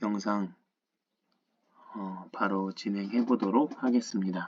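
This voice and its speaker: Against a quiet background, a man talks at a very slow pace with a fairly low pitch. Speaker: physical therapist, book reviewer. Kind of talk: tutorial, book review lecture. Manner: many filler sounds, halting.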